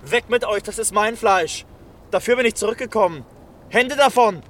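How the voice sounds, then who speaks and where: An actor playing a weary, stubborn soldier home from war, bitter and at times fiercely defiant, in stage-style radio drama. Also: male voice, on the high side, expressive, moderate pace. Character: worn-out male war returnee, stubborn and bitter. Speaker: soldier come home, refusing to fight.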